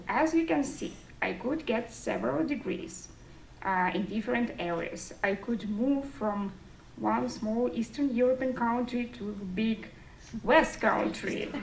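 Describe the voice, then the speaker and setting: A woman's voice: mid-range voice, vocal fry. A woman, giving a public speech in phrasing to an audience. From Estonia. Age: 30s. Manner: non-native English phrasing. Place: indoor forum room with an audience. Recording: distant mic, roomy echo, faint noise.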